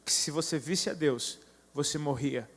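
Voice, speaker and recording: Middle-aged male preacher, high-pitched, storytelling sermon with passionate build-ups, long echoing reverb. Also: unhurried, fairly bright tone. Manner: storytelling, building to fervent declarations.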